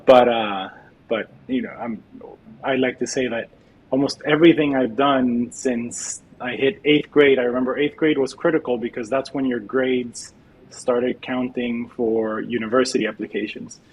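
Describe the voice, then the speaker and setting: A middle-aged Salvadoran man, guesting on a podcast, reflects on his life story with many restarts and fillers. His mid-range voice is fairly even in intonation and moderately paced, and the audio is poor with slight background noise.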